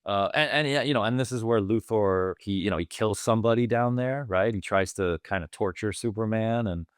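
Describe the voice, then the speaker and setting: A man's voice: lowish voice, a little fast, clean tone, no room sound, studio quality. A man co-hosting a movie podcast, eagerly retelling film scenes at length in casual chat. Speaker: podcast co-host.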